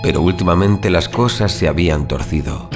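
A man's voice: sits low, moderate pace. A man playing a tormented superhuman vigilante who narrates his own fall into violence in a brooding, dramatic horror audio drama. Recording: dramatic music behind the voice.

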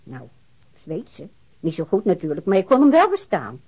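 A woman's voice: on the low side, huge pitch swings, moderate pace, darkish tone, husky, heavily acted. A woman playing a chatty, vague landlady in a radio drama, hesitantly trying to remember and help. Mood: musing, helpful. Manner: hesitant, musing. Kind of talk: Dutch radio drama acting. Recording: dull, lo-fi radio drama recording.

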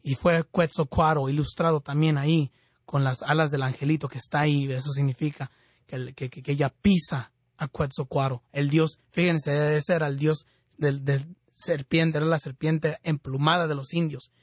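A man's voice: on the high side, steady tone, moderate pace, no echo. Fervent male Catholic radio host. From California. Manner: fervent, conversational, frequent restarts. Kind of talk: Catholic radio talk and prayer.

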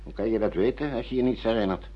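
Very raspy, low-voiced stern old father. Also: quick pace. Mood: pragmatic. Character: stern older father, pragmatic apologist for the system. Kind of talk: Dutch radio play acting. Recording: dull lo-fi radio play recording.

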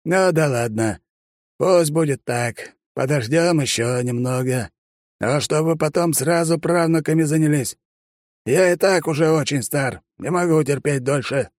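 Man doing a sly teasing old grandfather, raised high voice, joking manner, dry close recording. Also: measured pace, darkish tone, dry recording, lightly acted. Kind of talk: audiobook character voice.

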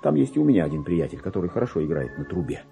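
An actor playing a lowly, self-important and excitable government clerk, delivering his diary as a theatrical radio monologue, with exclamations and hushed muttering in a husky voice. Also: racing, soft background music, full character voice. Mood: brooding, confiding. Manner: exclamatory, swinging from hushed muttering to shrill rapture. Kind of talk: theatrical dramatic monologue, diary read aloud.

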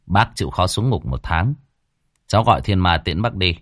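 Stern young exorcist guy, a man voicing him, bossy, lowish voice, dry sound. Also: expressive, moderate pace, fairly bright tone, dry recording. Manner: stern, scolding.

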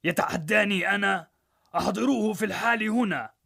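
A man's voice: sits high, animated, fairly quick, gravelly, sharp tone, husky, pitched above the performer's own voice, full character voice. A man voicing a stern, pompous male judge who gives commanding orders in a told story. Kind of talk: storybook narration.

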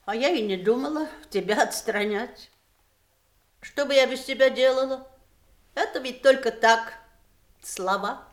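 Актриса играет усталую, горько-ироничную жену у постели умирающего мужа, сдержанно и задумчиво. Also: female voice, high-pitched, a little slow, pauses often. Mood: placating. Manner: restrained, wistful, sharply ironic. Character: aging wife at her husband's deathbed, weary and bitter. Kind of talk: 1980s stage radio play acting.

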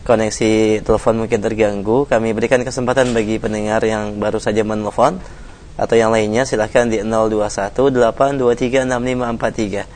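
A man's voice: on the low side, fairly even intonation, fairly quick, a little mellow. Male call-in radio host, formal and courteous, faint noise behind. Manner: formal, reads Arabic text aloud, greets callers. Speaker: radio program host and moderator. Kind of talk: live call-in radio hosting.

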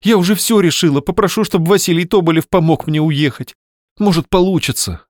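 A man's voice: a little high, brisk, darkish tone, voice pushed up, natural voice. A man voicing a distressed young woman who pleads for help, in a raised, pleading voice. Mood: resolved.

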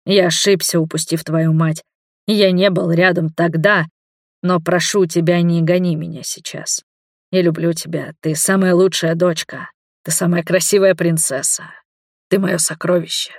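A grey-haired, ailing man speaks softly and lovingly, pleading for forgiveness, as read by a woman narrator. The voice stays low and calm. The sound is close and dry. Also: normal speed, dry recording. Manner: soft, tender, pleading.

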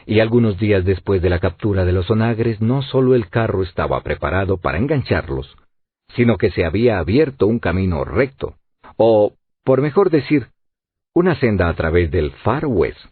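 A man narrating an audiobook in an expressive, lively reading, with narrow phone-like sound. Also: deep voice, moderate pace, breathy edge, no room sound. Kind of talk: scripted narration.

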